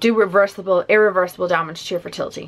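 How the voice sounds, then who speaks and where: A woman speaks in a monotone. Her intonation stays flat. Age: 30s. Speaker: beauty vlogger. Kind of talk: casual vlog Q&A. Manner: chatty, rambling. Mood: calm, open, personal. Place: home room. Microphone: camera far.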